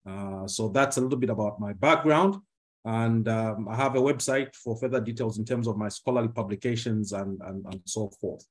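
Zambian-born man presenting on a video call. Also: lowish voice. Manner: measured, polite, with frequent fillers. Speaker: guest speaker, law professor. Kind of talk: formal online presentation. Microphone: computer mic on a video call.

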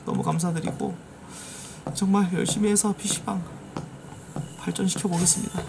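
Excitable Korean-speaking male game streamer. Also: sits high, normal speed, gravelly, noisy background. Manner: excitable, bursts into shouts and swears at the game. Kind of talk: live game commentary. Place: streaming room indoors.

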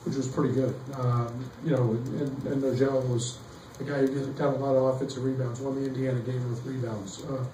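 A middle-aged man, a basketball coach, answering questions at a postgame press conference, halting with many fillers and restarts. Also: medium pitch, level tone, warm tone. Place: press room behind a table. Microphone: table mic, heard from some distance. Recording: echoey room, distant mic, faint noise.

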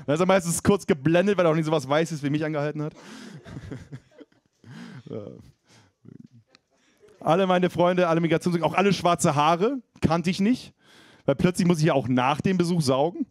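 A man's voice: fairly high pitch, normal speed, pauses often, dry recording. Self-mocking comedian in his thirties. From East Frisia, Germany. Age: 30s. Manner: self-mocking, conversational with crowd. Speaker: stand-up comedian. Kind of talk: stand-up set.

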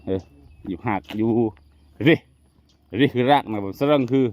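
A man's voice: medium pitch, moderate pace, darkish tone, no room sound. A man narrating a casual fishing vlog outdoors, chatting to viewers as brothers and sisters. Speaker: vlogger. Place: outdoors in rural fields. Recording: muffled lo-fi outdoor audio.

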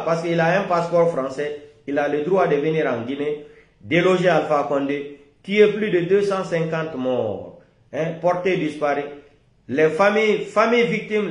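Fiery man ranting in an echoey room. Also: fairly high pitch. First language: a local West African language. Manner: emphatic, repetitive, rising on key phrases. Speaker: political commentator. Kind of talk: impassioned political monologue. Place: small room indoors.

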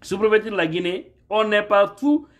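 A man in his thirties with a high voice speaks straight into a phone camera in a room at home. He argues emphatically, pushing each point and tagging questions onto his lines. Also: lively intonation, normal speed, a bit bright. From Guinea. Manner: emphatic, rhetorical, asks "hein?" often. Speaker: political commentator. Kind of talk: impassioned political monologue. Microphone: phone camera held at arm's length.

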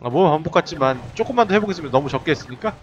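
A man giving excited, running commentary while playing a tower defense game, often laughing and reacting out loud. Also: a little high, racing, lo-fi sound, faint music behind. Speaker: game streamer. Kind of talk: live gameplay commentary.

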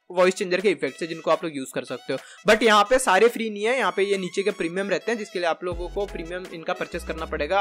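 A man in his twenties giving a casual, chatty software tutorial step by step into a close desk microphone. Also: high voice. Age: 20s. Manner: chatty, informal, explains step by step. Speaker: tutorial host. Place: small indoor room at a desk.

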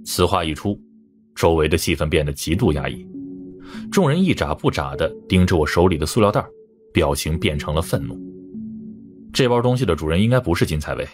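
A man's voice: sits low, very animated, fairly quick. A man reading a first-person crime novel as scripted narration. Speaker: audiobook narrator. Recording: music under the voice. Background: background music.

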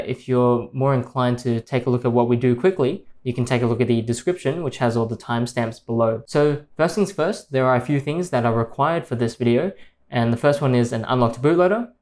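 A man hosting a tech tutorial, calmly explaining each step in a screen-recorded voice-over. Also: medium pitch, brisk.

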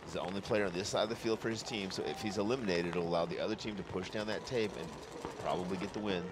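A man with a very deep voice gives color commentary on a live match. He breaks down the tactics in a measured, explanatory way. Clear outdoor noise and traffic hum sit behind him. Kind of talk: live sports analysis. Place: outdoor paintball field.

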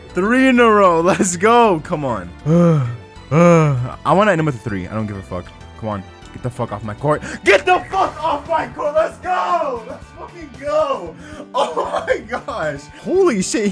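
Young male gaming YouTuber, animated delivery, frequent swearing, loud-to-quiet swings, light background music. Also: medium pitch. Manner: swears a lot, swings from yelling to muttering. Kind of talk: live gameplay commentary.

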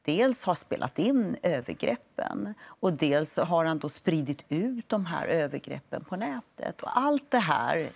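A woman in her forties, a lawyer and studio guest on a morning TV show, explaining in a measured, firm way on a lapel mic. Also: deep voice, big pitch swings, vocal fry, a little mellow. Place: TV studio set.

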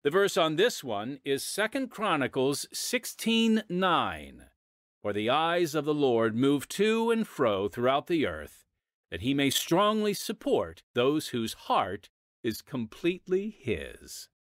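A man's voice: fairly high pitch, wildly swooping pitch, slow pace, fairly bright tone, no echo, clean studio sound. An American man hosting a Christian audio drama podcast, reading scripted announcements and narration. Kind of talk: scripted radio narration over music.

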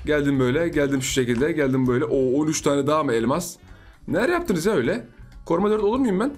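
Young man, high voice, playful gaming commentary, repetitive chatter, faint background music. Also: expressive, fast talker, a little mellow. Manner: playful, chatty, repeats phrases and laughs often. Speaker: gaming YouTuber. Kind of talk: casual gameplay commentary.

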